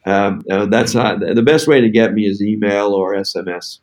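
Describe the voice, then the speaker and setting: A low-pitched man who founded a tech company, talking casually as a podcast guest. He stops and restarts often, filling gaps with "uh" and "you know". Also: a little mellow. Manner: halting, many fillers and restarts. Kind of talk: casual podcast interview answers.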